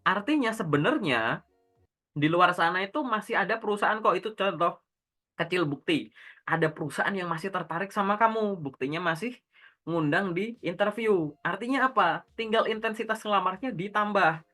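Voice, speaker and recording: A man's voice: high voice, expressive, normal speed, pushed and bright, faint music behind. A man working as a career coach, giving direct, instructive advice in casual one-on-one talk and answering his own rhetorical questions. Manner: asks rhetorical questions and answers them himself; direct, instructive, uses everyday slang.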